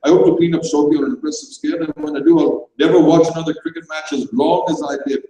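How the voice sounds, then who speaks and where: A man reading as a dashing young English gentleman who chatters in a breezy upper-class manner, recorded from far off in an echoey hall. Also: on the high side, steady tone, fast, lightly acted.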